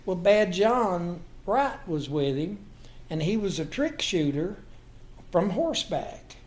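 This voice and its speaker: Older man, higher-pitched voice. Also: darkish tone. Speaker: guest storyteller. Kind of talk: folksy anecdotal storytelling.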